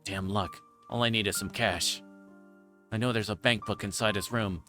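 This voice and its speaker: A greedy, violent lowlife played by a man reading a visual novel, gruff and foul-mouthed in a lowish voice. He talks with open menace over faint music. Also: steady tone, normal speed, sharp tone. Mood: menacing.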